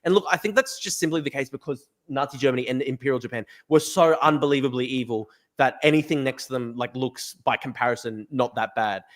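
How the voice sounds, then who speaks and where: Australian man, live-stream host, rapid-fire delivery, emphatic, restarts sentences, mid pitch. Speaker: podcast host. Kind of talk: live stream chat, reading viewer comments.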